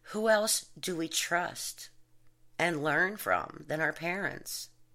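A woman speaks at a very slow pace with a fairly low pitch and a bright, sharp tone. Her pitch varies in an ordinary way, and the recording is very clean with a silent background. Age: 40s. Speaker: spiritual podcast host. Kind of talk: motivational monologue.

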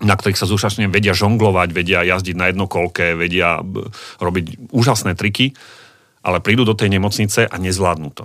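A man talks with a very deep, low voice, keeping a moderate tempo and a fairly level intonation. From Slovakia, small town. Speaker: actor, hospital clown and library director. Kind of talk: casual interview.

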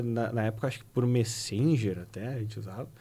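The man talks at a very fast pace and a medium pitch. His intonation stays fairly even. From Rio Grande do Sul, Brazil (Alegrete). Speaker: fitness professional, supplement business owner. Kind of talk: casual interview chat.

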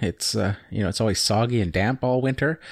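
At a moderate pace, a man talks with ordinary pitch variation on a very clean recording with a silent background. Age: 40s. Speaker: podcast host and lawn care business owner. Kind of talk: solo podcast monologue. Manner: halting, many fillers.

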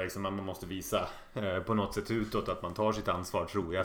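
A man's fairly low voice at a very fast pace. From Åland, Finland. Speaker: football podcast co-host. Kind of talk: casual chat. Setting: remote recording.

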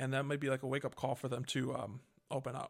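A man speaks with a Midwestern American accent and a fairly high pitch. The recording is very clean, with a silent background. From Indiana, US. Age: 20s. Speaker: movie podcaster. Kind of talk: casual interview chat.

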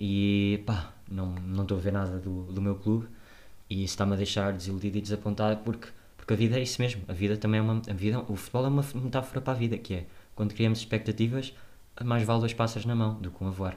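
Soft-spoken and very fast, a man with a European Portuguese accent talks in a dark, mellow tone. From Portugal, Leiria area. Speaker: podcaster. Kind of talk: casual solo monologue. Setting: at home. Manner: animated.

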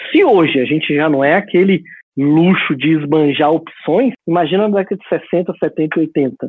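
Here a man speaks in a normal speaking voice at a moderate pace, his pitch fairly high with ordinary variation. His loudness swings a lot. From Brasília, Brazil. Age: 30s. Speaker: physical education teacher. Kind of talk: interview.

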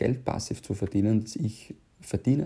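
A man speaks at a moderate pace in a fairly low voice. His tone is dark and mellow, and somewhat breathy. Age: 20s. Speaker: network marketer and podcast host. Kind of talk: solo podcast monologue. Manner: many fillers and repetitions.

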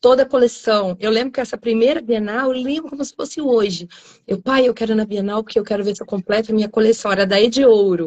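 Her words come at a fairly quick pace. The woman's pitch sits fairly high and varies in an ordinary way. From Rio de Janeiro, Tijuca. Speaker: children's book author. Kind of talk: interview. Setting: video call.

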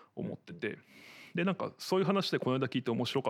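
Talking very fast with vocal fry, a man's pitch swings very widely. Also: dry, close sound with no echo. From Shiga, Japan. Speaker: podcast host. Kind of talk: casual interview chat.

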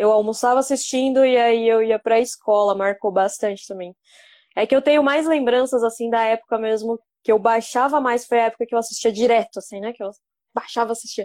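A woman's fairly high voice at a fairly quick clip, with fairly even intonation and a dry, close sound with no echo. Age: 20s. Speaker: podcast host. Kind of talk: casual chat. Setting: online live stream from home.

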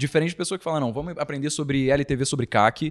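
The man's pitch is medium, with fairly even intonation. He talks very fast. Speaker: podcast host. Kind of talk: casual interview chat.

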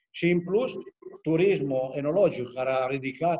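Speaking with an Italian accent, a man uses a fairly high pitch, a dark, mellow tone and ordinary pitch variation at a moderate pace. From Italy, Piedmont. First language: Italian (speaking Romanian). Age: 50s. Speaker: winemaker. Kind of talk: interview. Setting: video call. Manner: halting.

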